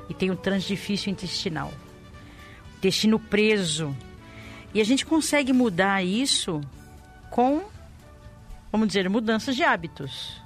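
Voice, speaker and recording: Brazilian woman radio host over music. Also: lowish voice. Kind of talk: casual radio chat with health tips. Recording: music under the voice. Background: background music.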